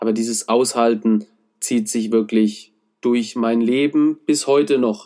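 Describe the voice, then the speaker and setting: A man speaks at a very slow pace in a medium pitch. His tone is dark and mellow. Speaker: podcast host, former drug addict. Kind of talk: solo monologue podcast. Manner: casual, slangy.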